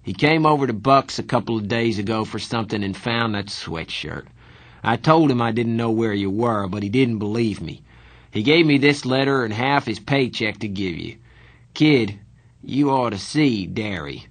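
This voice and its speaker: A man voicing a tough, sardonic young male street hood in an audiobook, rough and blunt, with slangy teasing talk. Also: lowish voice, normal speed. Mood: serious, blunt. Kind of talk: audiobook character dialogue.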